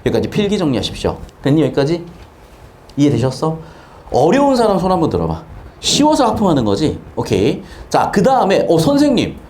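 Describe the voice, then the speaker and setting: A man teaching a Korean grammar class in a lively lecture style. He repeats key points and keeps asking his students whether they follow. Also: a little high, a little fast. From South Korea, Changwon.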